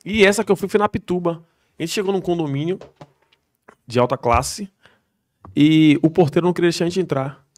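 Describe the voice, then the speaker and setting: A man spins a slangy, animated story from his police work. He speaks quickly in a fairly high voice. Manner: slangy, animated anecdote telling. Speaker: military police soldier guest. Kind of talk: podcast storytelling.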